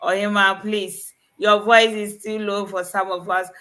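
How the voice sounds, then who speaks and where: A woman hosting a live-streamed health talk, with a voice of medium pitch. She leads the panel in a friendly, coaxing way and reads out viewers' questions. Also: flat delivery, measured pace, fairly bright tone. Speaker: host.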